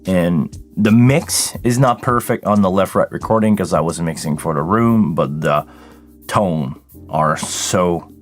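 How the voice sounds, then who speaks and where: Faint music sits behind a deep, unhurried male voice. The speaker, a tired live sound engineer from Quebec, Canada, whose voice is deeper than usual this morning, hosts an informal livestream Q&A and talks to viewers by name.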